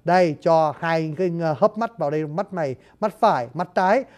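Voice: mid-range voice, brisk, darkish tone, lo-fi sound, pitched below the performer's own voice, natural voice. A narrator voicing a mischievous male forest sprite who grumbles about his errands and mutters to himself. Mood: scolding.

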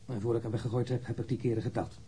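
An actor playing a blunt, candid man in his thirties, a witness answering police questions matter-of-factly in a husky voice in a radio drama. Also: medium pitch, fairly even intonation, racing, warm tone. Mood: matter-of-fact, precise. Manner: matter-of-fact, precise, blunt. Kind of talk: radio drama interrogation acting.

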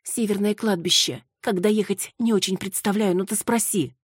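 Brief: woman reader playing a desperate young heroine, higher and tense, in a dry close take. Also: steady tone, moderate pace, breathy edge, no echo, natural voice. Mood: panicky. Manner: pleading, breathless and panicky. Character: frantic young woman Marusya. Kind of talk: audiobook character voice.

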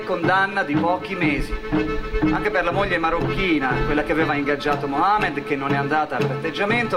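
High-voiced man narrating dramatic theatre. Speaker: actor-narrator. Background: music under the voice.

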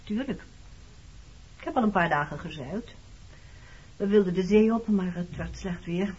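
A woman's voice: medium pitch, moderate pace, a little mellow, close to an everyday voice. An actress playing a guarded, pointed woman in her early thirties in a Dutch radio play. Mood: matter-of-fact. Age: 30s. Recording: dull lo-fi radio recording, clear noise.

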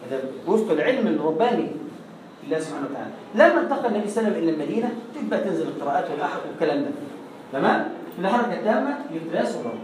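A Quran recitation teacher with an Egyptian accent, giving a classroom lesson and slowly reciting example words again and again to demonstrate. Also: mid-range voice, sing-song, a little mellow, slight background noise. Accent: Egyptian Arabic. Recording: echoey room, voice far from the mic.

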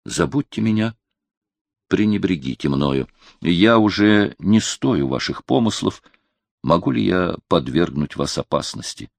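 Tormented young nobleman, brooding and declamatory, low voice, a male audiobook reader doing him. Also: lively intonation, measured pace, gravelly, no room sound, exaggerated voice. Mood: anguished. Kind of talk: audiobook character reading.

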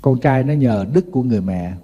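A man's voice: medium pitch, fast, dull audio, a little hiss or hum. A middle-aged man with a Southern Vietnamese accent, preaching as a Buddhist monk, telling humorous anecdotes in a sermon. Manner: lively anecdotal storytelling with humor.

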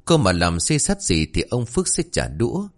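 A man narrating a story in a dramatic, expressive way. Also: low-pitched, moderate pace.

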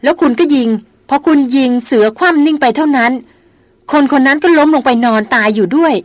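A woman's voice: on the high side, measured pace, dry recording, voice pushed up, natural voice. A woman voicing a terrified young woman doctor who insists she saw a ghost. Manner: frightened, pleading, insistent.

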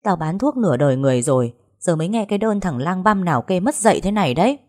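A woman's voice: on the low side, expressive, quick pace, warm tone. A woman putting on a scolding old pharmacist woman. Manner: harsh, scolding, coarse.

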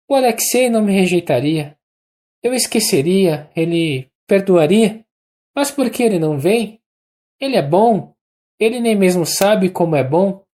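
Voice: mid-range voice, a little mellow, voice pushed up, close to an everyday voice. A narrator putting on a feverish delirious young mother. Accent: Brazilian Portuguese. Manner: rapid, urgent, raised pleading voice. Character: young woman, feverish and delirious after childbirth.

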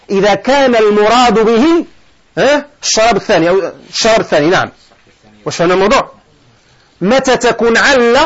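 A man's voice: sits high, highs cut off. A man teaching a lesson on verb forms, who questions his students and answers himself. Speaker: sheikh teaching Arabic morphology. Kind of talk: classroom lesson explaining a grammar poem.

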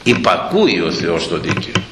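A man's voice: low-pitched, sing-song, noisy background. Emphatic male preacher in an echoey hall. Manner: emphatic, repetitive preaching cadence. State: hoarse throat. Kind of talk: sermon on scripture. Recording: echoey hall, long reverb.

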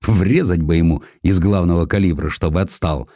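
A man's voice: low-pitched, normal speed, no echo, clean studio sound. A man reading historical prose as a dramatic audiobook narrator, telling it expressively. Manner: expressive storytelling, acting out quoted speech.

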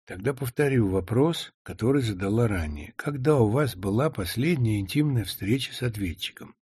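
A man's voice: lowish voice, expressive, normal speed, darkish tone, breathy edge, dry recording, clean studio sound. A man reading as a pressing woman lawyer. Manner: probing, insistent questioning. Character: woman lawyer, pointed courtroom questioner.

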